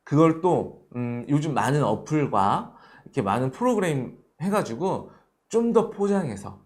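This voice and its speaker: Earnest man with a lively voice. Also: a little high. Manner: earnest, repeats points with "ne" fillers. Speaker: host of an economics show. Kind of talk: lecture to young adults.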